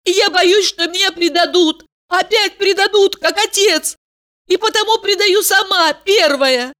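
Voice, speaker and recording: A woman narrator voicing an impulsive young blonde woman who cries out breathlessly and pleads in a high, strained voice. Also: a little slow, fairly bright tone. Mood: pleading.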